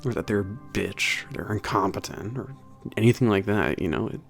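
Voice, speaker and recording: A man playing a big, burly, soft-hearted werewolf maintenance trainer in an ASMR roleplay, talking to the listener in a halting, casual, sweary and earnest way. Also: lowish voice, gravelly, faint music behind. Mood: apologetic, encouraging. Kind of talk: ASMR roleplay audio drama, spoken to the listener.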